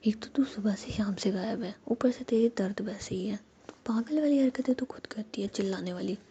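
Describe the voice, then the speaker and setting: A woman's voice: medium pitch, fairly quick, warm tone, natural voice. A woman voicing a cheeky, teasing young female friend in a whisper. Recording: dull lo-fi with faint hiss.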